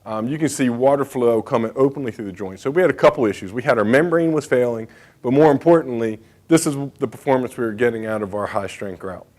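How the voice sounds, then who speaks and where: Man, conference talk, casual, filler-heavy, mid-pitched voice. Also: fast talker, a little mellow. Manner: casual, conversational, many fillers and asides. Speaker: state bridge engineer presenting. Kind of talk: conference presentation.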